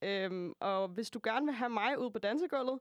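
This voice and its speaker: An ordinary speaking voice with ordinary pitch variation at a fairly slow pace. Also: woman, dry, close sound with no echo, quiet background. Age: 20s. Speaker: student radio host. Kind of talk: casual chat.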